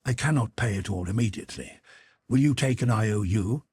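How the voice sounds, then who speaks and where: A man's voice: on the low side, a little fast, a little mellow, slightly rough. A man reading the part of a young nobleman gambler, proud but desperate, questioning himself in anxious, pleading inner talk. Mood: strained.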